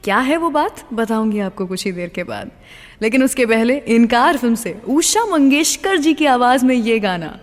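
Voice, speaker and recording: A woman's voice: a little high, lively intonation, normal speed, big-room sound. A woman with an Indian accent hosting a music radio show in a conversational storytelling style, mixing in English phrases.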